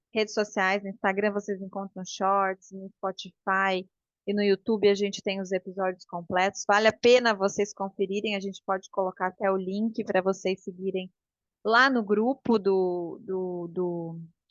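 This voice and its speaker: A woman's medium-pitched voice moves at a moderate pace, her intonation monotone and flat. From São Paulo, Brazil. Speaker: physiotherapist. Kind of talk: lecture. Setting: symposium talk. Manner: halting, many fillers.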